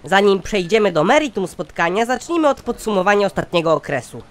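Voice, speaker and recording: A man's voice: high voice, sing-song, a little fast, slight background noise. A man voicing a pompous, sardonic company chairman in a satirical cartoon, speaking formally. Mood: pompous, businesslike. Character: pompous, exasperated male company chairman, scheming boss.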